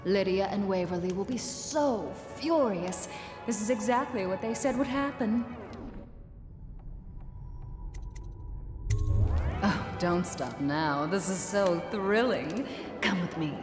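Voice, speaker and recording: A woman's voice: medium pitch, lively intonation, a little slow, close to an everyday voice. An actress playing a coy, flirtatious, tipsy aristocratic woman at a masquerade party in a video game. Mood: giddy, thrilled. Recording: echoey hall reverb with music behind.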